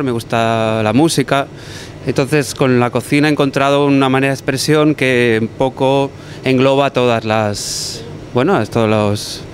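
A young man from Barcelona answers an interviewer's handheld mic in a restaurant kitchen. He talks in a relaxed, thoughtful way, often restarting his sentences. A faint hum of kitchen ambience sits behind him. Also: mid-range voice. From Barcelona, Spain. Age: young adult. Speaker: chef. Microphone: handheld mic held by interviewer.

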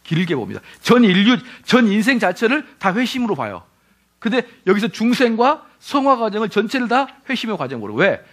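A middle-aged man preaching a lecture-style sermon in a high voice. His pitch swings widely as he acts out quoted voices and fires rhetorical questions at the congregation. He talks in an animated, conversational way. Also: a little fast. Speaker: pastor.

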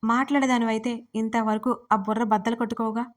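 A woman's voice: a little high, flat delivery, a little fast, lightly acted. A woman voicing a blunt, teasing young man in a spoken audio story.

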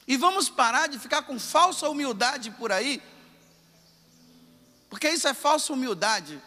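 Male priest, animated conversational sermon, bright sharp tone, echo of a big hall. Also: very high voice, a little slow. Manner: lively, conversational preaching with quoted voices.

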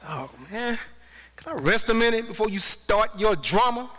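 A man's voice: sits high, lively intonation, moderate pace, pushed and bright. A man acting a sarcastic, touchy husband in an amateur stage play, complaining emphatically. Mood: bitter, sarcastic. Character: resentful, sarcastic working-class husband, touchy and evasive. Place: indoor theater stage, picked up from afar. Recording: echoey hall, distant camera microphone.

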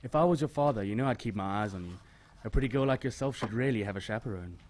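A man's voice: lowish voice, fast, heavy background noise, close to an everyday voice. A man playing a smug, predatory hairdresser in an audio drama, with an oily, suggestive and taunting manner. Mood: oily charm. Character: predatory male hairdresser, leering, smug churchgoer posing as respectable.

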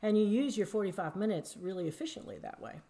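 A woman's voice: mid-range voice, animated, quick pace, dark tone. Emphatic veteran woman teacher on a call. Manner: emphatic, folksy teacher talk. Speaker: music educator panelist. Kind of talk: video call panel discussion. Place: home office with shoji screen. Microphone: video call webcam.

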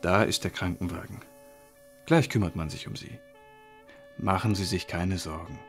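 A calm, soothing police commissioner. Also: male voice, sits low, moderate pace. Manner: soothing, reassuring. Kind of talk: radio drama acting. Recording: studio radio play with music underneath.

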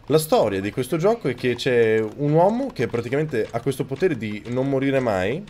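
A man streaming a video game live, talking close to his microphone, yelling and swearing at the game and thanking viewers. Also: medium pitch, very animated, normal speed, slight background noise. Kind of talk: live gameplay commentary. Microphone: microphone very close to the mouth.

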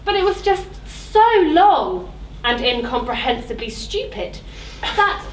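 A woman's voice: high-pitched, sing-song, a little slow, recorded from a distance, slight background noise. A woman playing a put-upon young pantomime heroine, sweet but cheeky, projecting emphatically to the audience. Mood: meek, apologetic. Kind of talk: amateur stage pantomime, addressing audience. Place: theatre stage. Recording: echoey theatre stage.

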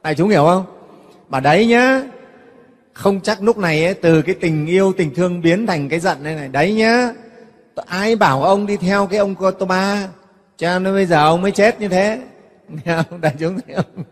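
A man's voice: high voice, normal speed, long reverb tail. A man giving a Buddhist sermon, talking to his audience in a conversational way and often asking if they follow. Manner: conversational, keeps asking "nghe không?" to the audience. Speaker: Buddhist monk giving a dharma talk.

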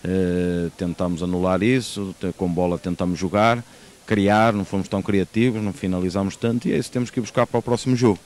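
Male player soundbite, deep pitch, stumbling speech. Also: fairly even intonation, darkish tone. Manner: halting, stumbling. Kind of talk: interview soundbite.

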